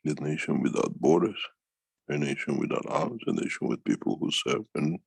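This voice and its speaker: A man giving an unscripted answer in a meeting, halting yet emphatic, often repeating phrases for weight. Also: rumbling low, animated, vocal fry, slightly rough, no echo. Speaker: foundation speaker answering questions. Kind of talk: unscripted talk, answering a question in an online meeting.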